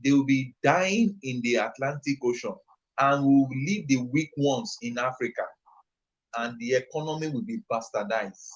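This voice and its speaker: This guest, an entrepreneur and youth trainer with a Nigerian accent, responds to a live-stream interview question in an emphatic, passionate, meandering way. He speaks at a normal speed in a medium-pitched voice, captured with lo-fi sound.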